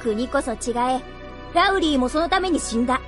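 An actress playing a proud, indignant young princess in a radio drama, with imperious, archaic, formal speech. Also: female voice, high-pitched, expressive, moderate pace, a bit bright. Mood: stern, proud. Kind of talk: Japanese radio drama acting. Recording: music behind the voice.

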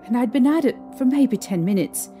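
A woman playing a frightened young mother in an audio drama, recounting a haunting with halting, emotional delivery. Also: a little high, lively intonation, dark tone, natural voice. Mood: uneasy recollection. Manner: halting, emotional storytelling with trembling pauses. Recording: eerie music behind.

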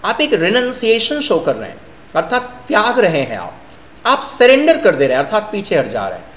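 A man's voice: high voice, wildly swooping pitch, normal speed, a bit bright. Middle-aged man teaching vocabulary in an echoey room. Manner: explains word meanings in Hindi, addresses students as children. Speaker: English teacher. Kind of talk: vocabulary lesson. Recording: echoey room, faint hum.

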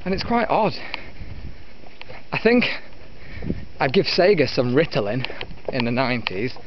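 A man's voice: medium pitch, big pitch swings, a little slow. A British man in his twenties rambling casually and self-deprecatingly as he vlogs while walking outdoors, holding the camera on a stick. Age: 20s. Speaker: vlogger, retro gaming YouTuber. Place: outdoors, walking along a field edge by trees. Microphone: camera on a stick at arm's length. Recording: dull muffled camera audio with outdoor wind noise.

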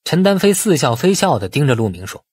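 A man reading a novel as dramatic scripted narration, in a husky voice. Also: a little high, sing-song, brisk, a little mellow, no echo, clean studio sound. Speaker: audiobook narrator.

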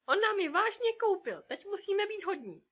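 Three excited cartoon duck boys, voiced by a woman; high, bright, storybook. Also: dull audio, slight background noise, heavily acted. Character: three eager young duck boys speaking together.

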